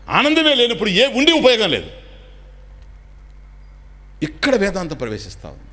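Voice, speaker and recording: A man, a swami, giving a spiritual discourse in an animated storytelling manner, now and then dropping in English phrases. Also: a little high. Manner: animated, acts out anecdotes, drops English phrases.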